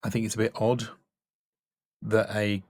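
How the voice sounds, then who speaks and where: A man giving an off-the-cuff spoken critique as a coach, measured and considered. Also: on the low side, monotone, darkish tone, no room sound, studio quality. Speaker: voice-over coach.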